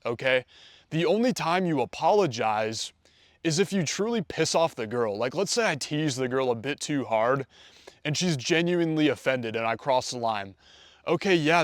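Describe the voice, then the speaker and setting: A man's voice: medium pitch, no room sound, studio quality. A man giving dating advice straight to camera in a confident, conversational way. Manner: confident, conversational, acts out quoted dialogue. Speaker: dating coach. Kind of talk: direct-to-camera coaching video.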